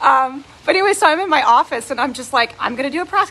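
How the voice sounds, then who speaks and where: Raising and projecting her voice, a woman talks at a fairly quick pace with very wide pitch swings. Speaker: book group moderator. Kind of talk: casual live video chat. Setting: outdoors, live video. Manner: fast; animated.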